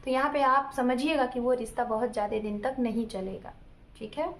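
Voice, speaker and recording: High-pitched lady tarot reader chatting advice to viewers, lots of examples, keeps checking in. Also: fairly even intonation, moderate pace. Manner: explains with everyday examples, often checks in with "ठीक है"; addresses viewers directly. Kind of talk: casual relationship advice talk.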